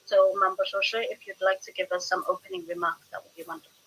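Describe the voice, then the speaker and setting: Female moderator, polite and welcoming, bright clear tone, video call. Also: mid-range voice, expressive, quick pace, low-quality recording. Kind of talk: hosting an online panel.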